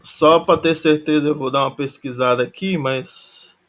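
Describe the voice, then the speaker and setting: A man's voice: on the high side, fairly even intonation, normal speed, fairly bright tone. A man teaching a grammar lesson in a casual, thinking-aloud way. He restarts often and spells out verb endings syllable by syllable. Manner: thinks aloud, many restarts and tag questions. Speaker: Greek teacher.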